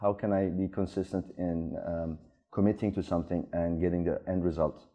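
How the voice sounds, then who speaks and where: With an Iranian accent, a man speaks in a very deep, low pitch. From Dubai, then Sweden. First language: Farsi. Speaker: executive coach. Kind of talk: interview. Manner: halting.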